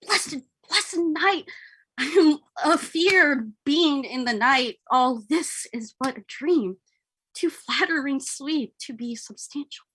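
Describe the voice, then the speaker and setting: An ardent, dreamy young male lover, played by a man, with a very high, bright voice and a slow pace. He delivers Shakespearean verse theatrically and with exaggeration, like an amateur stage reading. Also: expressive, no echo, heavily acted, poor audio. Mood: rapt.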